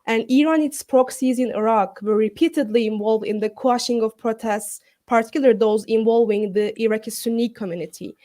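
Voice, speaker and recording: A woman's voice: fairly high pitch, dark tone. A woman moderating a panel debate, putting formal, prepared questions to her guests. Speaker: host, moderator.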